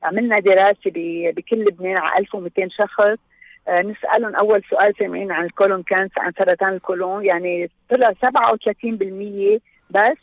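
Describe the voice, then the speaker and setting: A woman's voice: medium pitch, fairly even intonation, quick pace, dry recording, highs cut off. A woman with a Lebanese Levantine Arabic accent explaining things as an interview guest, dropping in English words. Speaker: guest, health awareness association representative. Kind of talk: radio interview, explanatory talk.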